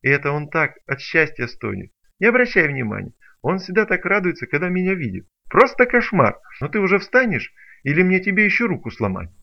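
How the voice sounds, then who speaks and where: A man voicing a cocky, playful male stalker who teases loudly and theatrically. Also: high voice, sing-song, a little fast, vocal fry, hardly any pauses, pitched above the performer's own voice, exaggerated voice. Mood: teasing. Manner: loud, teasing, theatrical. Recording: dull lo-fi recording.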